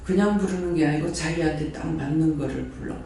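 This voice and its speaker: This brisk, fairly high-pitched male voice has a dark tone. As prayer house director, he preaches in a church hall and keeps throwing rhetorical questions at the congregation, captured from a distance in a very reverberant room with faint noise.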